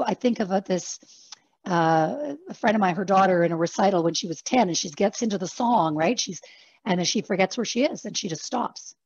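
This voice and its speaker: A woman executive coach giving an online workshop, talking fast and animatedly and acting out her examples. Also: lowish voice, husky, dry recording, highs cut off. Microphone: video call.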